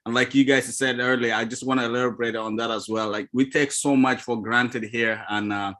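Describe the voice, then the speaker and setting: A man from Ethiopia speaking on a video call, giving an earnest, halting personal testimony with frequent restarts. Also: mid-range voice, fairly even intonation, pushed and bright. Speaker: call participant.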